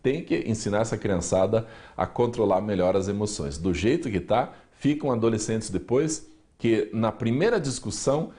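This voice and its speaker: A man explaining emotional control for children as a regular columnist on a TV news program, with a calm, explanatory manner and a Brazilian Portuguese accent. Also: fairly low pitch, normal speed. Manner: calm explanatory, acts out parents' lines. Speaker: weekly columnist on parenting.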